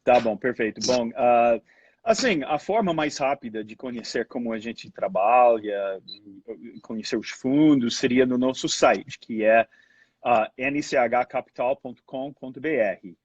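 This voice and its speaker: A man's voice: medium pitch, unhurried, breathy edge, no room sound, lo-fi sound. A man answering as a guest fund manager in a casual interview, hesitant, full of fillers and restarts.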